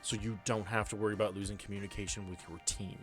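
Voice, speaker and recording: Low-voiced man running a tabletop game. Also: steady tone, fast, a bit bright, faint music behind. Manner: informal, profane. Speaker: game master. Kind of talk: narrating a tabletop horror game with casual banter.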